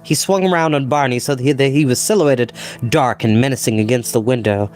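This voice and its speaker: A male narrator reads a story aloud in an expressive storytime style. His voice sits at a medium-high pitch for a man, with music playing behind it. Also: brisk.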